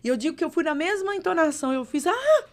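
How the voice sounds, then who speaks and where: A woman pastor with a Brazilian accent, telling her testimony in a podcast interview with expressive, dramatic storytelling. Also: high-pitched, very fast. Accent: Brazilian Portuguese. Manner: expressive, dramatic storytelling with vivid reenacted dialogue. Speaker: pastor, guest.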